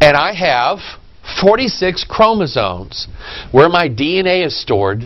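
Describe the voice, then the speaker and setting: Audible room echo carries a man's high-pitched voice. He talks at a moderate pace with very wide pitch swings. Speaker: pastor. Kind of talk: sermon.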